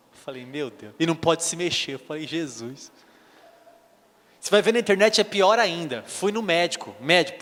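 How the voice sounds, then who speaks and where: In a big-room acoustic, a high-voiced bishop preaches a sermon. He narrates stories with animation and takes on all the dialogue personally.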